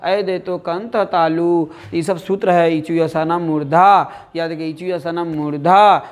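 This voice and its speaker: A man with a Bihari accent teaches an exam-prep class, his voice on the high side, flat in delivery, and a little slow. He drills the students by repeating words over and over and asking them questions, referring to them as "dear".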